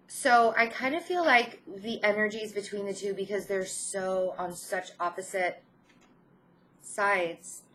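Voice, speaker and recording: A woman with a head cold gives an informal spiritual card reading to her viewers as channel host, speaking gently and encouragingly with hesitant pauses mid-phrase. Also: medium pitch, slight background noise, poor audio.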